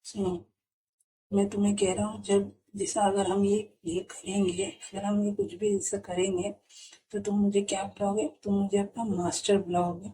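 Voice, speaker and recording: A woman doing a bossy controlling young guy, stern and commanding, mellow voice. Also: mid-range voice, flat delivery, moderate pace, a little hiss or hum, natural voice, poor audio. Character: domineering, bossy young man.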